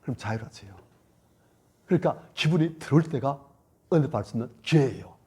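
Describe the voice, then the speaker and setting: A male pastor preaching a sermon, emphatic and repetitive, swinging between loud lines and hushed ones. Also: medium pitch, animated, brisk, slightly rough. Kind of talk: sermon at a church retreat.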